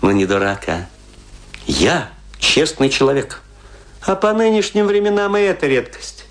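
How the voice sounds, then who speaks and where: A middle-aged, tipsy Russian intellectual in a radio play. His delivery swings widely in pitch as he moves from confiding to declamation. He is rueful and self-mocking, and he leaves dramatic pauses. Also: lively intonation. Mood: wry, confiding. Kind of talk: theatrical dramatic monologue.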